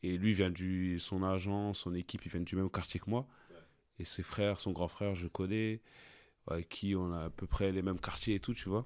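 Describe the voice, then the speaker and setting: In a very clean recording with a silent background, a man with a very deep, low voice talks at a moderate pace in a flat monotone. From Paris, 19th arrondissement. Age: 30s. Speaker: entrepreneur. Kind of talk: casual interview chat.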